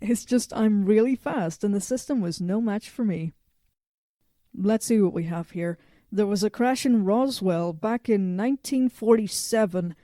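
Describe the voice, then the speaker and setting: A self-assured female robot from the future played by a woman speaks in a mellow, relaxed voice. She is blunt and faintly condescending, matter-of-fact in audio drama dialogue, recorded dry and close. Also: mid-range voice, a little slow, no echo, lightly acted. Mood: smug, confident.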